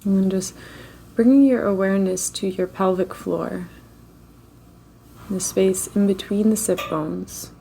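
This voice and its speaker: A woman leading a slow guided meditation in a gentle, unhurried way, with long pauses between phrases. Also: mid-range voice, steady tone, vocal fry, slight background noise, rough recording.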